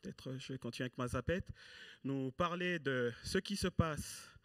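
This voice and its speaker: A man presenting at a church service and introducing a guest speaker, earnest and somewhat halting. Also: mid-range voice, no room sound.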